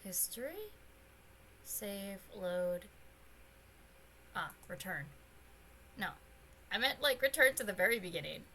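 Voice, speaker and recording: Chatty, bright-voiced young woman streamer. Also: medium pitch, slow, long pauses, slight background noise. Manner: chatty and rambling, with bursts of excited squealing. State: slightly hoarse, voice still recovering. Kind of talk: casual let's-play chat. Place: home streaming setup.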